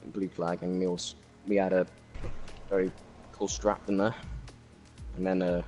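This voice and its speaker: A man's voice: low-pitched, level tone, moderate pace, a little mellow, faint music behind. A man with a Welsh accent talking casually about his race, with lots of fillers and restarts. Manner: rambling race recap with many fillers. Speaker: racing league driver. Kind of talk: casual post-race chat. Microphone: new home microphone.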